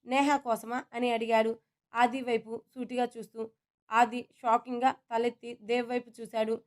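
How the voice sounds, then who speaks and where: A woman narrates a family story in a steady storytelling manner. Her voice is clear and smooth, slightly high, and keeps a flat, even line. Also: normal speed. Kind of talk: scripted narration.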